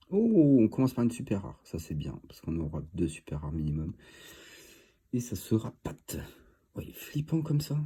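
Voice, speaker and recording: Guy with a cold opening card packs, low dark husky voice, chatty and relaxed. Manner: chatty, relaxed, thinking aloud with many fillers. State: stuffy from a cold. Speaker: card-opening video host. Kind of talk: casual commentary while opening card boosters.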